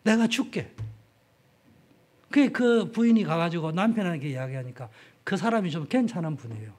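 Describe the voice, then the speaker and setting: Husky Gyeongsang-accented pastor preaching frankly. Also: male voice, fairly high pitch. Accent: Gyeongsang Korean. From South Korea, Gyeongsang region. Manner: frank, conversational, acts out dialogue with sudden jumps in loudness. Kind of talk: sermon.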